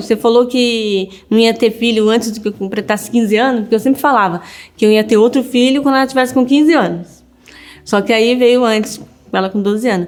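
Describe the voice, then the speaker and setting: A woman with a plain, everyday voice, a moderate pace and ordinary pitch variation. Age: 40s. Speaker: mother of missing children. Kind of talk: documentary interview testimony.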